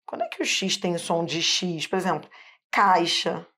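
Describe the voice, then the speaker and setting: Teaching phonetics online at a board, a Carioca teacher from Rio explains each step patiently in her Brazilian Portuguese accent. She speaks fairly quickly and animatedly, her fairly low voice pushed and bright.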